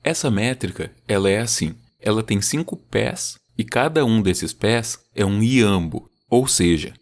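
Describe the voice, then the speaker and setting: A podcast host with a fairly low man's voice talks through the basics of meter in a loose, conversational way. When he gives an example, he slows right down to let the strong and weak syllables land. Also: animated. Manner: teaching, speaks examples out slowly to stress the beat. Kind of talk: casual explanatory talk about poetry.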